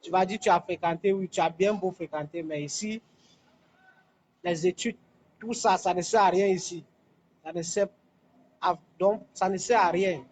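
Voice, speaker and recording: A man from Cameroon's anglophone South-West calls in to a live stream from a construction site. His voice sits quite high, and he speaks hesitantly, often repeating himself. Faint site ambience runs behind him. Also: moderate pace, long pauses, a little hiss or hum, rough recording. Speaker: caller. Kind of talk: phone-in call to live stream.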